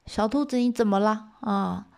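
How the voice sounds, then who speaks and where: A woman's voice: medium pitch, normal speed, vocal fry, a little mellow, voice pushed up, lightly acted. Brief: a crowd of pushy brother gods, bossy and jeering, storybook telling, voiced by a woman. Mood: rowdy. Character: rowdy bullying band of male gods.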